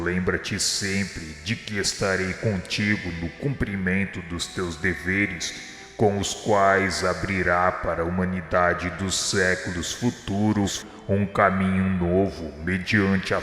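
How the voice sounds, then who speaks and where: In a big reverberant space, a man acting as a merciful divine master speaks with a very low, bright voice. He declaims solemnly, as in a religious radio play, over music. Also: level tone. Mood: solemn, benevolent. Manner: solemn, measured, exalted declamation. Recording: echoey hall-like reverb with music.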